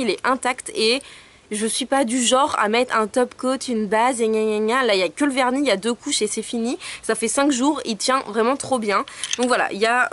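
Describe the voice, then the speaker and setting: A woman's voice: a little high, fairly bright tone. A young woman chatting casually in a haul vlog, showing products with many hesitations. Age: young adult. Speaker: beauty vlogger.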